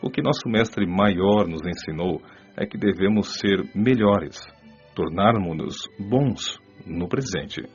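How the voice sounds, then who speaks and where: A man plays a solemn male spirit mentor giving moral instruction in a radio drama. His voice is fairly low and husky, with a didactic delivery. Music plays faintly under a slightly muffled recording. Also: slow, full character voice. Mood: solemn, exhorting. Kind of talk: scripted radio drama, preaching lecture. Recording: dull lo-fi audio with music behind. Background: background music.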